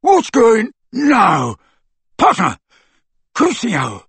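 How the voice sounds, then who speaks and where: A man plays a big, dim teenage bully from a fantasy storybook. He talks in rough grammar with surly defiance. The sound is close and dry. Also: fairly low pitch, big pitch swings, unhurried, no room sound, pitched below the performer's own voice, full character voice. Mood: furious. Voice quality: soft, dull-toned. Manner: ungrammatical, surly, belligerent. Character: huge thuggish slow-witted teenage boy wizard henchman, defiant.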